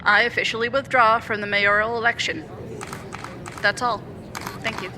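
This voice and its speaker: A woman's voice: on the high side, level tone, crowd noise, background noise, lightly acted. A woman playing a resolute, principled interim mayor who is weary of politics and speaks firmly and plainly in an audio drama. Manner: firm, plain-spoken, deliberate.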